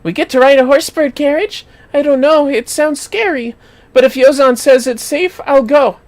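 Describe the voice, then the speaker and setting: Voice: high-pitched, normal speed, a little mellow, pitched above the performer's own voice, lightly acted. A streamer voicing a timid, pouty small child in a video game, plaintive and hesitant. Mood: nervous.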